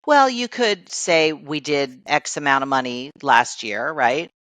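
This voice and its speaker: A woman's voice: low voice, sing-song, unhurried, a bit bright, dry recording. A woman life coach, a podcast guest, explaining ideas patiently with many everyday examples.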